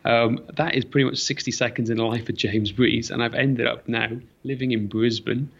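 Gravelly low Welsh man on a lo-fi call. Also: normal speed. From mid Wales. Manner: animated, acts out his own past thoughts. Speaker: podcast guest, fitness business owner. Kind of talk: casual storytelling interview. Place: home in Brisbane, on a video call. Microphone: video call.

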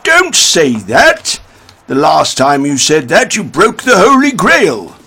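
An actor playing a gullible, touchy nonhuman pantomime judge with a husky, squawking, dramatic delivery. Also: male voice, fairly high pitch, wildly swooping pitch, slow pace, bright, forceful tone, soft background music, heavily acted. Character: gullible, touchy talking-object talent judge.

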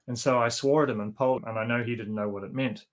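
A man's voice: medium pitch, steady tone, quick pace. A man on a panel, an actor telling easygoing stories from a film shoot with frequent chuckles. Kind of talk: anecdotal panel storytelling.

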